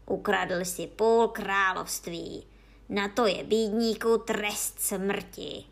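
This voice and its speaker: Přísný tlustý soudce v podání předčítající ženy hřímá a hlasitě křičí. Jeho hlas je oproti vyprávění silnější, ale ve stejné výšce. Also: female voice, lowish voice, close to an everyday voice. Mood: hřímavý, rozhněvaný.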